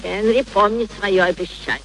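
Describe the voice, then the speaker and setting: A woman's voice: mid-range voice, fairly even intonation, moderate pace, lightly acted, low-quality recording. An actress playing the unruffled, dryly ironic mother of a grown son in a radio play. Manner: dry, unruffled, gently admonishing. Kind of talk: theatrical radio play acting. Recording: faint background noise, archive radio recording.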